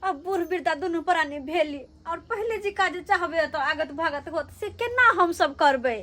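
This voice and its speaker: A woman's voice: extremely high pitch, animated, normal speed, bright, forceful tone, full character voice. A woman playing an older village mother-in-law in a comedy skit, coaxing and placating her guest. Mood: reasoning.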